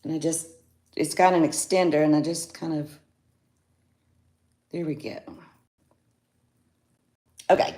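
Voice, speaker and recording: A woman's voice: low-pitched, steady tone, slow, long pauses, mellow. A woman chatting casually on a jewelry livestream, greeting viewers by name. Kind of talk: casual live sales chat. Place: home studio, indoors.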